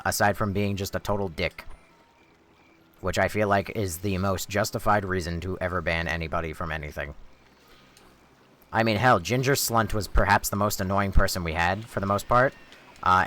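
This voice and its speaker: A young man streaming a game live, reading chat sarcastically and shrieking when the game scares him, his voice going hoarse. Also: low voice, moderate pace, sharp tone. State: losing his voice.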